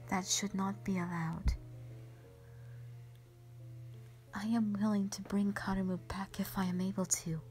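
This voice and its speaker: A woman voicing a gentle, ancient black dragon, a protective and sorrowful elder sister, in a hushed, breathy, halting dramatic monologue. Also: mid-range voice, little pitch movement, soft background music, close to an everyday voice. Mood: grave, resolute. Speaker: audio roleplay performer. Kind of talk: soft whispered dramatic monologue, ASMR-like.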